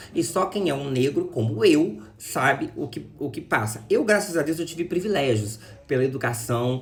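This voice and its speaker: This man's voice is somewhat breathy. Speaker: YouTuber. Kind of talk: casual vlog monologue. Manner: fast; halting.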